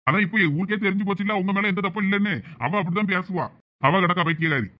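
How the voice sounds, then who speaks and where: A man's voice: sits high, fairly even intonation, fast talker, bright, forceful tone. A man voicing a flustered young village husband in a comic cartoon family drama, with a Thoothukudi Tamil accent and a pleading, coaxing manner. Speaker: cartoon voice actor.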